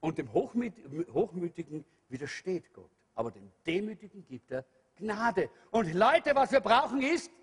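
A man preaching a sermon to a congregation, emphatic, rising to shouts and dropping low, addressing the listeners directly. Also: very animated, moderate pace, slightly rough. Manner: emphatic preaching, calls out to the congregation, swings loud and soft. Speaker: pastor. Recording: long hall reverb.

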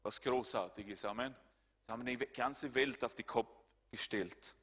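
A male pastor, preaching a sermon and swinging between loud, high-pitched appeals and quiet, low asides. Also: measured pace, slightly rough. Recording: hall reverb.

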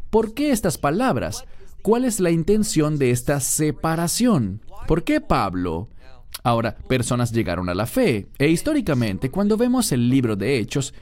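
Lively, emphatic male Bible teacher. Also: mid-range voice. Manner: emphatic, poses rhetorical questions. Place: studio.

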